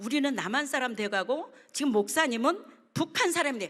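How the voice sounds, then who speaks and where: A loud, animated woman's voice at a high pitch, on a very clean recording with a silent background. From South Korea. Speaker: pastor. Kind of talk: testimony sermon.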